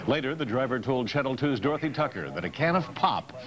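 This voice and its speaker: Crowd noise surrounds an American man reading scripted TV news narration fairly quickly, his medium-pitched voice full of lively intonation. The source is a noisy archival 1990s newscast tape.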